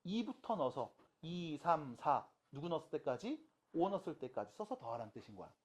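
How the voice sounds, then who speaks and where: A math teacher giving an online lecture to high school students. The teacher keeps asking rhetorical questions, repeats key steps slowly, and mixes casual and polite speech. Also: very animated, husky.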